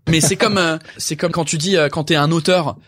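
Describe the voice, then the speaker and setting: Male comedian guest, English native speaker, slightly high voice, dry sound, hesitant casual French chat. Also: steady tone, a little fast, a bit bright, slightly rough, dry recording. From England. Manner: hesitant, many restarts.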